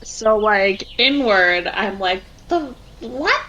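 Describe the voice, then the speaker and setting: A woman's voice: mid-range voice, very animated, slow, pushed and bright, muffled recording. A woman casually improvising her character's thoughts in a tabletop roleplaying game, acting out the reactions. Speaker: player in a tabletop roleplaying podcast.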